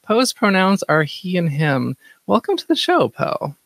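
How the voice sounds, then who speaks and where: A podcast host with a gravelly, fairly high voice leads an interview, stumbling over his words and filling gaps with ums. The sound is dry and close. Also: huge pitch swings, a bit bright, dry recording. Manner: halting, many fillers and repeats. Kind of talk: casual interview hosting.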